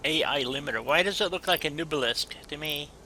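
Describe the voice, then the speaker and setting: A man's voice: fairly high pitch, brisk, pushed and bright, slight background noise, rough recording. A man chatting casually with a viewer while playing a game on stream, rambling in a folksy way and leaning on "you know.".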